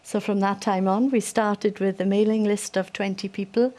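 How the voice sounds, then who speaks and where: A middle-aged Welsh woman, a charity director, giving a gentle, unhurried personal testimony in an interview. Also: mid-range voice, level tone. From Wales. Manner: gentle, unhurried storytelling with soft fillers.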